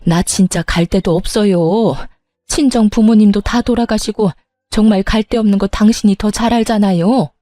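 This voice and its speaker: A woman's voice: medium pitch, moderate pace, mellow, no echo, lightly acted. A woman voicing a weak, self-serving young husband who keeps begging in a storybook narration. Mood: pleading.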